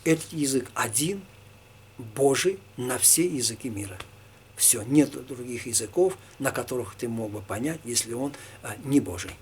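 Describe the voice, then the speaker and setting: A man, a Tatar native speaker, answering religious questions one by one in a halting, informal way. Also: medium pitch, lively intonation, slight background noise. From Tatarstan, Russia. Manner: halting, with many fillers and restarts.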